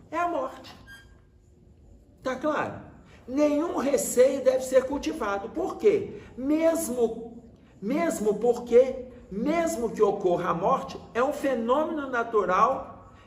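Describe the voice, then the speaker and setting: A Brazilian Portuguese-accented man with a high-set voice tells a story in a lively, conversational way during a religious study talk. The sound is roomy and echoing, with a faint hiss underneath. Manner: lively, conversational retelling with acted-out dialogue. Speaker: spiritist study speaker.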